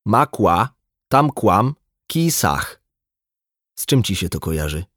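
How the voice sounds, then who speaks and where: A man voicing a blunt, embittered, drunk male doctor in an audiobook, gruff and lecturing. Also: on the low side, big pitch swings, takes it slowly, fairly bright tone, no room sound, clean studio sound, heavily acted. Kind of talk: audiobook dialogue.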